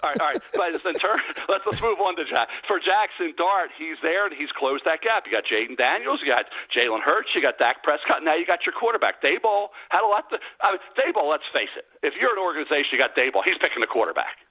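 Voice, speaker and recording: A man in his sixties calling into a sports radio show over a landline phone, giving blunt, emphatic opinions in quick bursts. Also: fairly high pitch, sing-song, pushed and bright. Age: 60s. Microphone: landline telephone. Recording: dull lo-fi phone line.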